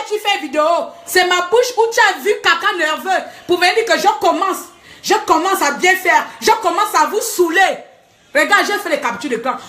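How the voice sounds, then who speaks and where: A very high-pitched, sharp-toned woman's voice: a vlogger at home ranting angrily to camera, scolding her critics with laughter between jabs. The room is echoey.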